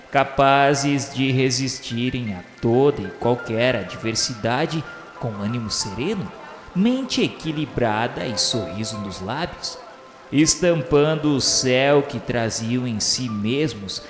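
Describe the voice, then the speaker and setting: A Brazilian man narrating a radio novel in a solemn, formal, measured and declamatory literary style. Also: mid-range voice. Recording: echoey voice over background music. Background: music.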